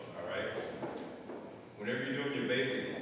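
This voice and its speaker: Strong room echo and noticeable background noise surround this man's voice. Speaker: dance instructor. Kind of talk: dance class instruction, counting steps. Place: hall. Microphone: camera far.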